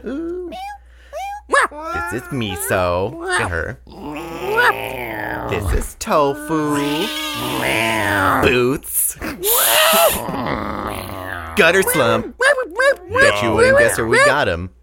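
A man's voice: a little high, huge pitch swings, very slow, pauses often, very noisy, exaggerated voice. A man voicing an eccentric middle-aged woman who collects cats, cooing and gushing in a comic audio drama. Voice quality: gushing, sing-song cooing. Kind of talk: comedic audio drama acting.

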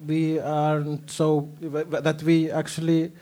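A man from Iceland with an Icelandic accent, co-hosting a comedy podcast on stage, dry and deliberate with hesitant fillers. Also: a little high, completely flat delivery, warm tone. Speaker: podcast co-host. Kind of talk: casual comedic chat. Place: live stage with audience. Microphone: stage microphone.

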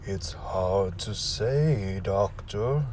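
A man playing an ancient undead butler, weary, ponderous and deliberate. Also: on the low side, a little mellow, slight background noise. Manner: extremely slow, deliberate.

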